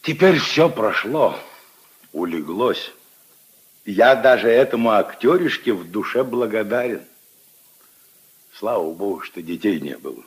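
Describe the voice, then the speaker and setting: An actor playing an old retired general, a gruff but kindly grandfather figure who reminisces and grumbles wryly, in a 1950s radio play. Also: on the low side, sing-song, measured pace, pauses often, exaggerated voice, rough recording. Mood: mocking reminiscing. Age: older. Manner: wry, reminiscing, grumbling storyteller.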